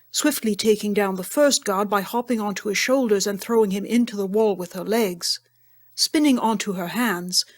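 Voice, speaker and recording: Female narrator: mid-range voice, reads scripted audio drama scene descriptions. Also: mid-range voice.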